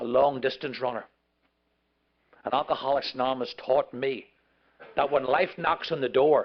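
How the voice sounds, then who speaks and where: In an Irish accent, a man speaks at a moderate pace and medium pitch with a monotone, flat intonation. He takes long, frequent pauses. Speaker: recovery speaker. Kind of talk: testimony.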